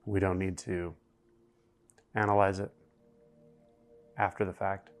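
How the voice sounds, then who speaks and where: A man guiding a meditation, speaking slowly and deliberately with long pauses between phrases. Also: sits low, flat delivery, soft background music. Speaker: meditation guide. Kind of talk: guided meditation narration.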